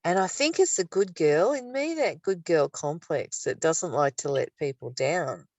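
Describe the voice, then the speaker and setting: Low-voiced older woman in a roomy recording. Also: lively intonation, a little slow, a little mellow. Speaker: spiritual study group speaker. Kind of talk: reading aloud and reflective discussion. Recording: roomy, distant microphone.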